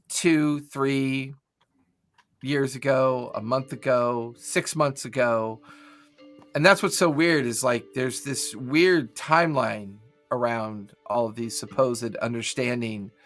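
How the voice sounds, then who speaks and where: Male game master, casual meandering narration over a call, mid-range voice, soft background music. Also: mid-range voice. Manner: loose, rambling narration with fillers.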